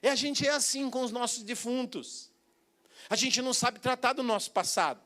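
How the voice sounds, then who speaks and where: A Brazilian man with a notably high voice preaches a sermon. He tells his story lively, acting out the voices of others and laughing along the way. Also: normal speed. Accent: Brazilian Portuguese.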